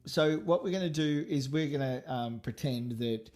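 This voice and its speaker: A man's voice: medium pitch, normal speed, a little mellow. A man co-hosting a comedy podcast, rambling and hesitant with frequent ums, on a studio microphone. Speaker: podcast co-host. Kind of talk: casual comedy chat.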